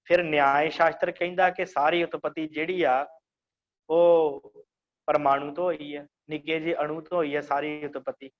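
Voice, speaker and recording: Man teaching scripture, lo-fi sound. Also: on the high side. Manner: explains slowly, repeats phrases to teach pronunciation. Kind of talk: online religious class.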